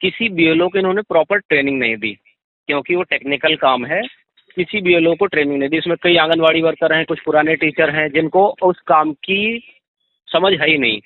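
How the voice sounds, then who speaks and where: A man's voice: a little high, brisk, dry recording. A man on a recorded phone call, explaining work grievances in a matter-of-fact, explanatory way. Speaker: election field worker being interviewed. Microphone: phone line.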